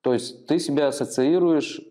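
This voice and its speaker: A man's voice: a little high, moderate pace, dark tone. A man in his thirties, a native Ukrainian speaker, interviewing and probing with long explanations, in a small office on a lapel mic. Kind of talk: interview questioning. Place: small office room, indoors. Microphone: clip-on lapel mic.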